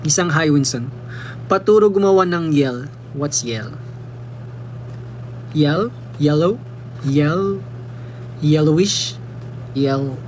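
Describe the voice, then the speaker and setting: A man's voice: a little high, slight background noise. A young man with a Filipino accent chatting casually on a livestream, reading comments and teasing fans in a playful way. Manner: playful, teasing, mixes Tagalog and English.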